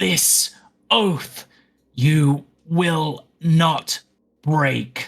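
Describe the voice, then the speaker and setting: A gravelly, put-on character voice is delivered with ordinary pitch variation. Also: man, fairly high pitch for a man. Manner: heartbroken whisper.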